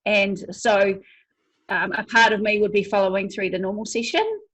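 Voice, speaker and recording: A middle-aged woman from New Zealand with a New Zealand accent, talking as a guest about her hypnosis work in a relaxed way, with many ums and light laughs. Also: mid-range voice, normal speed, low-quality recording. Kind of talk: casual conversational interview.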